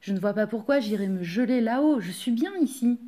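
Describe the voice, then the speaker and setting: A woman's voice: fairly high pitch, animated, brisk, dark tone. A woman voicing a poor, humble man who stays content and polite.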